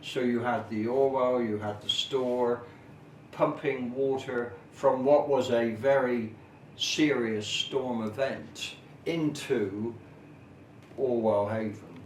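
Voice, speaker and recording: A middle-aged or older man giving an informal, detailed explanatory talk as a local history presenter, in measured, formal phrasing with hesitant pauses. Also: medium pitch. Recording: echoey, noisy room, distant camera microphone.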